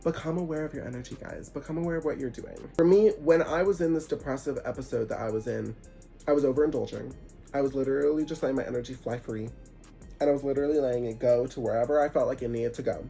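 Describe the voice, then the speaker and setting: Young male vlogger, stuffy nose, animated and preachy, mid-pitched, faint music underneath. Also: quick pace, gravelly. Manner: animated, preachy, sarcastic asides. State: congested. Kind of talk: casual spiritual advice monologue.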